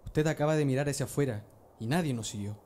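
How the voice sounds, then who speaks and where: A man's voice: mid-range voice, quick pace, a little mellow, close to an everyday voice. A man playing an earnest, persuasive early Christian disciple in an amateur religious radio drama. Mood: pleading.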